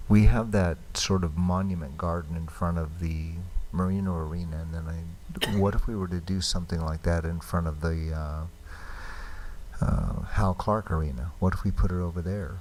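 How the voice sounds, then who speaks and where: A man speaking as a council member, thinking out loud and tentatively suggesting ideas in a public meeting. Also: low-pitched, steady tone, normal speed, slight background noise. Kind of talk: informal brainstorming in a public meeting.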